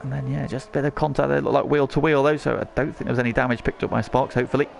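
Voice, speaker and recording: A man's voice: medium pitch, flat delivery, rapid-fire, gravelly, slight background noise. A man working as lead motorsport commentator on a race, calling the action in short present-tense phrases.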